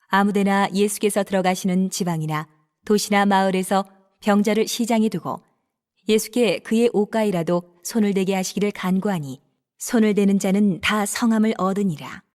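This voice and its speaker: A woman narrating scripture in a steady, formal reading style. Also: medium pitch.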